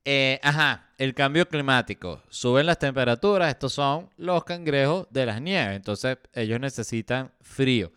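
A man's voice: mid-range voice, moderate pace, few pauses, a bit bright, clear, resonant tone, dry recording, studio quality. A man with a Venezuelan accent hosting a casual comedy podcast, joking around and acting out other people's voices, with plenty of fillers. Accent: Venezuelan Spanish. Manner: joking, acts out quoted voices, lots of fillers. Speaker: podcast host.

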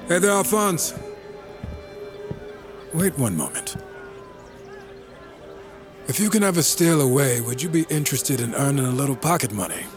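An imposing, formal sorcerer, played by an actor in an audio drama. His speech is measured and commanding, with a lively, swinging pitch and music behind him. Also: natural voice. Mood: courteous. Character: imposing bearded freeman sorcerer, calm, formal.

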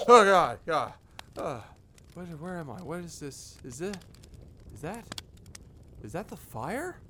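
A man plays a high-voiced, cranky old campfire storyteller in a cartoon, his pitch swinging wildly as he shrieks and curses. The recording carries a clear hiss of noise. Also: full character voice. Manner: shrieking, cursing, easily terrified.

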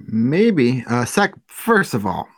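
A man's voice: medium pitch, very animated, slow. A man co-hosting a casual sports podcast, dry and teasing. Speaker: podcast co-host.

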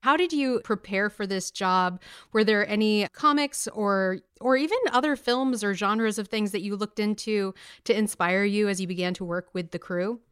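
A woman's voice: mid-range voice, normal speed, fairly bright tone, clear, resonant tone. An American woman hosting a casual interview, chatty and enthusiastic as she asks her questions. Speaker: podcast host, interviewer.

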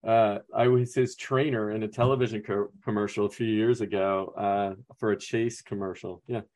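A man's voice: on the low side, fairly even intonation, normal speed, darkish tone. A man co-hosting a youth basketball podcast, telling stories casually and rambling, with fillers and quoted asides. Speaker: podcast co-host, basketball coach. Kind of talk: casual storytelling chat.

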